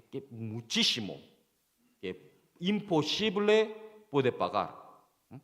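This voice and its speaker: A man preaches to his congregation in a church, pausing often and repeating his key phrases. He keeps asking quick rhetorical questions to draw the listeners in. His lively, swinging pitch rings out with a long reverb through the hall. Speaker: pastor. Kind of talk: sermon.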